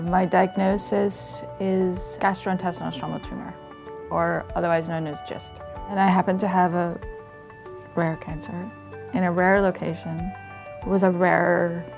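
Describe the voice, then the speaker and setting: A woman in her forties giving measured personal testimony in an interview, with a wry tone. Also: fairly low pitch, creaky. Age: 40s.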